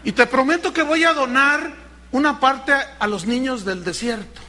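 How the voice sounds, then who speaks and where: A preacher doing a fawning, money-minded servant. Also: male voice, very high-pitched, moderate pace, sharp tone, voice pushed up, exaggerated voice. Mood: wheedling.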